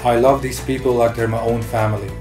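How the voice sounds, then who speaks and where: A man in his twenties from Holland speaking casually to camera as a volunteer, warm and plain. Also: medium pitch, little pitch movement, fast. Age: 20s. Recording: echoey room with guitar music.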